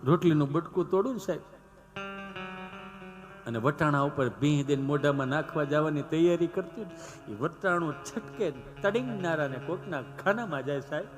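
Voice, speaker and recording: A man performing comic storytelling live on stage, animated and constantly turning to the audience as 'sir' with rhetorical asides. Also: on the high side, moderate pace, over music. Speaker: stand-up comedian.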